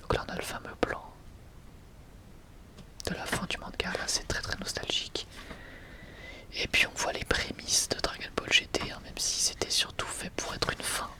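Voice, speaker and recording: A young adult man who makes ASMR videos whispers casually and enthusiastically while presenting his manga collection. He talks at normal speed but pauses often, sometimes hesitating.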